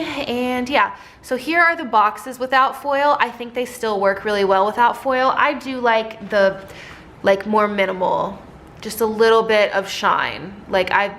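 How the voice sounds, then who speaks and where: Woman rambling about her stickers, a bit hoarse, lots of ums and likes, faint hiss behind her. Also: mid-range voice, a bit bright. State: slightly hoarse, losing her voice. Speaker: sticker shop owner and designer. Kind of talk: casual product walkthrough.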